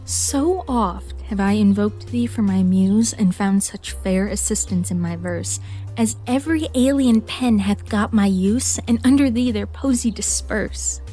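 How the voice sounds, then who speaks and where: A dreamy sonnet reciter in an audio drama, played by a woman, with a mellow, soft-edged tone at a middle pitch. The verse comes out measured and lyrical over music. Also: natural voice.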